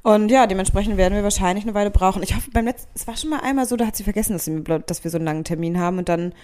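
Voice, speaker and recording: A young woman in her late twenties chats casually as a podcast co-host. Her voice is mellow and warm, middle-pitched. She rambles and laughs easily. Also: racing. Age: 20s. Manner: chatty, laughs often, rambling. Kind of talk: casual chat.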